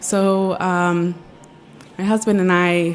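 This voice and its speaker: With music in the background, a woman with an American accent speaks in a fairly low pitch and a monotone, flat intonation. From northern Virginia, US (Salvadoran family). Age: 30s. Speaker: vegan chef. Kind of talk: interview. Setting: studio.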